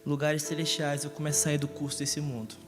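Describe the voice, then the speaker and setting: High, lively preacher. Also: male voice, a little fast. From Rio de Janeiro, Brazil. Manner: lively, joking, asks the congregation questions. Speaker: pastor. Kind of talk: live Sunday sermon. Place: church service in a large hall. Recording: echoey church hall with music.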